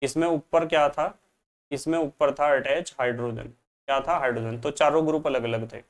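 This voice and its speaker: Guy teaching chemistry, slow and patient, says everything twice, clean smooth voice. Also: medium pitch. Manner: patient, repeats key terms. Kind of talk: classroom lecture.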